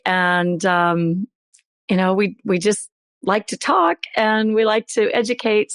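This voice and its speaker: A middle-aged woman hosting a podcast with a hoarse voice that is still recovering, chatting in an upbeat way. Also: lowish voice, dry recording, clean studio sound. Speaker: podcast host. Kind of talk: podcast intro, casual chat.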